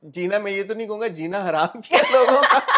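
A man talks with ordinary pitch variation. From Punjab, Pakistan. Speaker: interviewer. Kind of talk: interview. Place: studio. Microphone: lapel.

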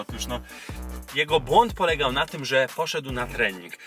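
A man talks at a fairly quick pace. The sound is dry with no echo, and clear music plays in the background. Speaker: youtuber. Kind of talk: casual vlog storytelling. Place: car. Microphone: phone near.

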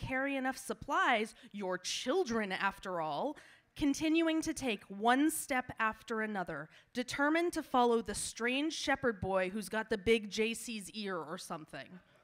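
Over a quiet background, a woman speaks at a moderate pace. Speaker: presenter. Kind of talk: storytelling talk to an audience. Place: stage. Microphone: handheld.

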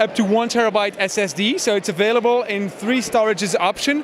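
Moderate-paced speech with ordinary pitch variation, a dry sound with no echo and noticeable background noise. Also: man. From Belgium. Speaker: tech startup co-founder. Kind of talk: trade show product demo interview. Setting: trade show booth. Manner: animated. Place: hall. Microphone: handheld.

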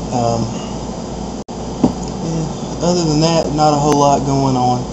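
Through loud background noise, a man talks at a fairly slow pace. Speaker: vlogger. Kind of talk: casual vlog chat. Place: home room. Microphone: webcam.

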